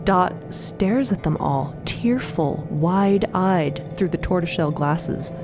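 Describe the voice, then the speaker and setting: A woman narrates an audio drama in a slightly low voice. She reads scripted prose as the storyteller, with music running behind her. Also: lively intonation, slow pace.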